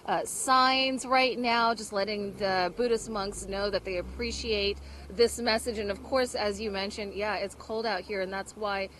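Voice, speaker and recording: A woman reporting live from a cold roadside with a little crowd around her. Her voice sits at an ordinary middle pitch, and she talks in a loose, conversational way, full of fillers and restarts. A faint outdoor hiss runs underneath. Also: steady tone, a little slow, a bit bright. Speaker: field reporter. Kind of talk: live on-scene news report.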